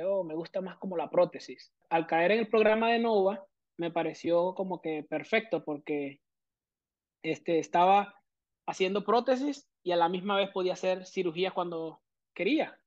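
A man's voice: sits high, a little mellow, no echo, dull audio. A man from Venezuela in his thirties with a Venezuelan accent, a guest explaining his career at length with many fillers. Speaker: guest prosthodontist. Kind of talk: casual interview.

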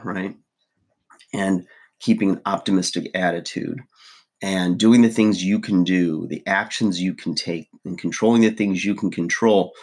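A man's voice: sits low, husky. A man vlogging a casual motivational talk to camera, rambling with many fillers, his voice still groggy from early morning. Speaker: fitness coach and vlogger.

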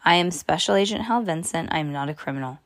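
A man's voice: a little high, animated, fast talker, fairly bright tone, dry recording. A woman reading the lines of a confused, frightened runaway boy, pleading and trembling as she voices him. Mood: defensive.

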